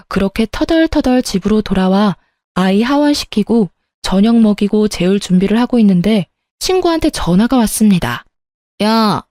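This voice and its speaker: Female storyteller, scripted first-person read; mellow, dry, aggrieved tone. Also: medium pitch, no room sound. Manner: plaintive, aggrieved.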